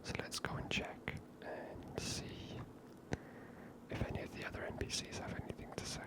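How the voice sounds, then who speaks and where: A woman hosting an ASMR gaming series, giving casual, unscripted commentary in a breathy whisper. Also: normal speed, rough recording.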